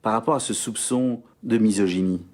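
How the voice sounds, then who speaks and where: A man who conducts a formal face-to-face interview, asking measured, polite questions. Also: lowish voice, a little mellow.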